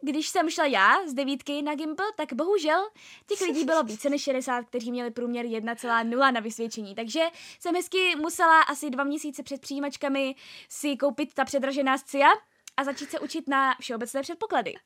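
A young woman with a high, bright voice tells a story in a relaxed, chatty way. She talks as a podcast co-host and leans on fillers and restarts as she goes. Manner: lively storytelling with many fillers. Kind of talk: casual chat.

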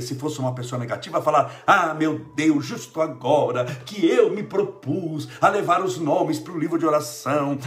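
A man's voice: on the high side, a bit bright. A Brazilian man with a cold gives an informal live spiritual talk as host, preaching and repeating phrases for emphasis. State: sick with a cold. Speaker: religious livestream host.

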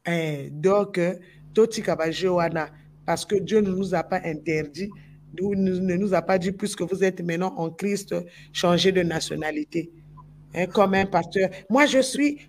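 A gospel musician from the Democratic Republic of the Congo speaks with passion in a talk-show discussion, repeating phrases for emphasis in her Congolese French accent. Her voice is medium-pitched at a moderate pace, with a little hiss or hum in the audio.

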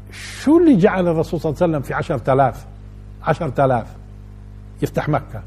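Fast husky-voiced male religious teacher. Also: high voice, a little mellow. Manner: keeps asking the audience rhetorical questions. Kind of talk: colloquial Quran lesson.

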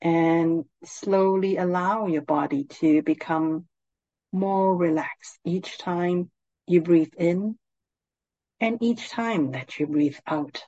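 A woman leading a guided meditation, speaking in a calm, soothing, gently instructing manner. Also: lowish voice, slow, dry recording, muffled recording.

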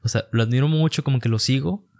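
A man's voice: mid-range voice, fast, creaky. Chatty young Mexican man, podcast host. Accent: Mexican Spanish. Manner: relaxed, chatty, laughs easily. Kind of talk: casual podcast chat.

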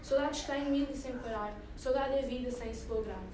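A woman with a somewhat high voice recites rhyming verse in a steady, measured rhythm. She sounds far from the microphone, her voice ringing in a reverberant room. Steady background noise runs underneath. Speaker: reader at a reading event. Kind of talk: poetry recitation. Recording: echoey room, distant mic, noisy.

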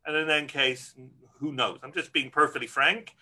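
A man's voice: a little high, steady tone, moderate pace, sharp tone. A middle-aged man from Scotland, a rabbi answering interview questions earnestly and frankly, with many restarts.

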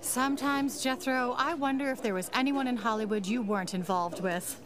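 A woman playing a poised, wry female sidekick, confiding and gently teasing, in a 1940s-style radio drama. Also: a little high, brisk, natural voice. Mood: teasing, curious. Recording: busy crowd murmur behind.

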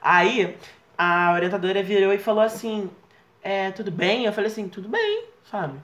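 A young man telling a funny story in casual podcast chat, animated, often laughing and acting out other people's voices. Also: high voice, moderate pace. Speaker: podcast co-host. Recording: roomy echo.

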